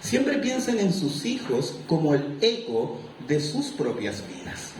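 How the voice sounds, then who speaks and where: A man preaching a sermon as pastor, lively and animated, acting out little scenes. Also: on the high side, takes it slowly, slight background noise. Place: church. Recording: echoey room, mic far off.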